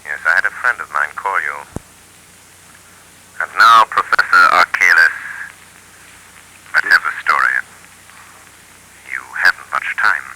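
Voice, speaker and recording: An actor playing a mysterious crime-fighting hero who speaks in firm, commanding tones, in 1930s radio drama style. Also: male voice, a bass voice, animated, measured pace, pauses often, noisy background. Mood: calm command.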